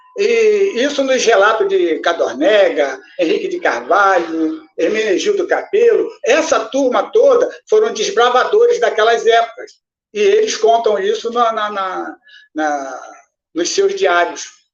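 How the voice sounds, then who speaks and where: Room echo is audible as a man speaks at a very slow pace. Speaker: lecturer on candomblé Kongo-Angola deities. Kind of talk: lecture. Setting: livestreamed talk at a festival. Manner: halting, many fillers.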